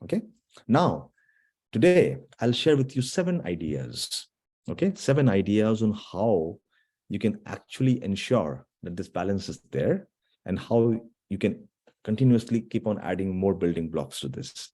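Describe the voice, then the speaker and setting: A man's voice: on the low side, big pitch swings, unhurried, warm tone. A man giving an earnest online talk to students, often restarting phrases and checking in with his listeners. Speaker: guest speaker.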